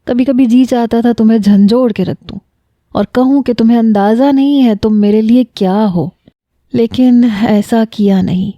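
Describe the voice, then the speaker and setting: A woman reading the lines of an earnest, emotional young man confessing his love, in a soft, heartfelt storytelling delivery. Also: on the high side, no echo, natural voice. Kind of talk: scripted narration.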